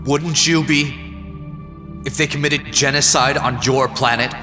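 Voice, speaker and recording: An actor playing a nervous, earnest research assistant turned defiant whistleblower, speaking hesitantly as a trial witness. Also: male voice, mid-range voice, steady tone, measured pace, natural voice. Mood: subdued, insistent. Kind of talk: audio drama testimony. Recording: echoing hall with music behind.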